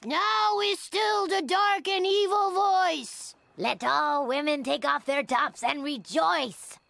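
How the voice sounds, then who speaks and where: A woman's voice: high-pitched, slow, gravelly, a bit bright, full character voice. A woman voicing a cartoon character who recites a silly home play in a hammy, melodramatic way. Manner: hammy, melodramatic line reading. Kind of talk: cartoon voice acting.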